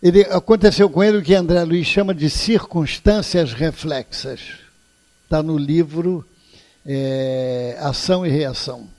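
Older man, high voice, mellow tone, earnest lecture, storytelling in a hall. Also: measured pace. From Brazil. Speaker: lecturer at a spiritist center. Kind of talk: public lecture with anecdotes. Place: indoor lecture hall, standing before an audience.

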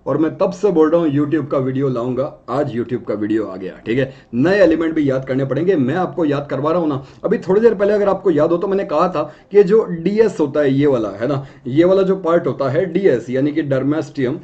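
A man's voice: a little high, fairly quick, few pauses, mellow, highs cut off. A man teaching chemistry in a casual, joking way, often checking in with his students. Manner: jokey, chatty, frequent check-ins with students.

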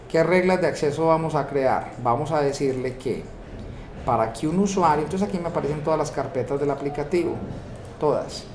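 Colombian male instructor, a bit high-pitched, step-by-step tutorial in an echoey room with constant noise behind. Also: a little mellow. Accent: Colombian Spanish. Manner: explains step by step, asks rhetorical checks. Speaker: software course instructor. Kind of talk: screen-recorded coding tutorial.

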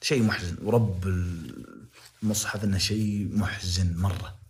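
A man's voice: low-pitched, steady tone, moderate pace, a little hiss or hum. A young man with a Saudi accent giving impassioned, moralizing livestream commentary, repeating phrases to press his point. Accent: Saudi Arabic.

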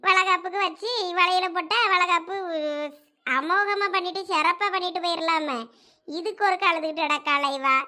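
A woman playing a very high-voiced bossy village aunt. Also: steady tone, normal speed, sharp tone. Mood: scolding. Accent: Thoothukudi Tamil. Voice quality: scolding, teasing, talkative. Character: bossy caring village woman, elder sister type. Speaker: actor in a village comedy skit. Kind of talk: village comedy skit acting.

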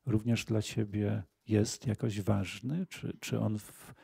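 A male moderator leads a literary discussion in a slow, halting way, full of fillers. His low voice is dark, husky and gravelly. The recording is dry. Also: steady tone, dry recording.

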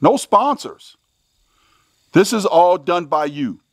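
Middle-aged American male, fairly high voice, folksy outdoor host commenting casually at a shooting range, dry sound with little echo. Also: sing-song, slow pace. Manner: folksy, exclamatory, addresses viewers as folks. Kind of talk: casual commentary to viewers while target shooting.

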